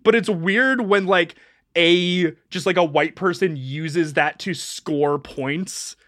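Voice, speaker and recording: A woman's voice: lowish voice, slow, a bit bright, no echo, clean studio sound. A young adult woman co-hosting a casual podcast, rambling and self-deprecating, laughing often. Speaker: podcast co-host. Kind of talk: casual chat.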